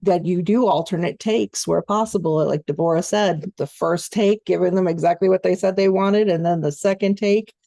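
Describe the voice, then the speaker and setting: A woman coaching voice-over students in an online training session, explaining in a steady conversational way. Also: on the low side, normal speed, gravelly, few pauses, no echo.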